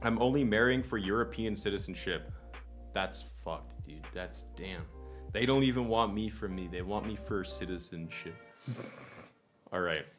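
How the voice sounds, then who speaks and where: A young man with a fairly low voice, rambling through a casual livestream chat. He is self-deprecating and swears offhandedly. Soft lofi beats play faintly underneath. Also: measured pace. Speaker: guest content creator. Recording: lofi music playing faintly behind.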